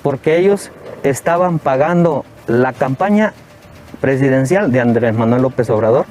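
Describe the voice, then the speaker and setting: A man's voice: medium pitch, animated, normal speed, a little mellow. A man with a Mexican accent giving a spoken account of past events. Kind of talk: spoken testimony, recounting.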